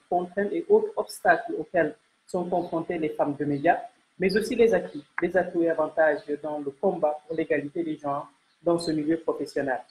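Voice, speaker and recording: A woman's voice: on the low side, a little mellow, poor audio. A woman presenting a panel interview as host, speaking in a formal, courteous way. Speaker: host and journalist.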